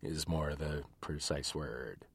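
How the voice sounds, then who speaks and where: A man hosting a comedy quiz, his voice muffled and low as he talks into his cup of tea. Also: slow pace, slightly rough, no room sound. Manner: low and quiet while talking into the cup. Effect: muffled, talking into a cup of tea. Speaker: quiz show host.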